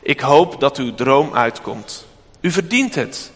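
A man voicing a tired, grateful young mother in a storybook reading, in a raised, soft voice. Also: medium pitch, expressive, takes it slowly, long reverb tail.

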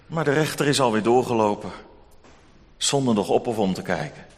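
A man telling a Bible story to children in an expressive, animated way. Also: medium pitch, a little fast. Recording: long hall reverb.

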